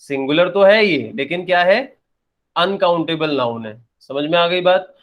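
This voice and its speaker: A man's voice: on the high side, expressive, moderate pace, a bit bright. A young man teaching an English grammar lesson, repeating points and answering his own questions. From India. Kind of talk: classroom-style lesson, explaining and checking.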